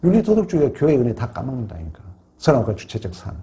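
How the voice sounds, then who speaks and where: A man's voice: medium pitch, wildly swooping pitch, quick pace, mellow. A middle-aged male pastor preaching a sermon in an emphatic, conversational way, often asking the congregation questions.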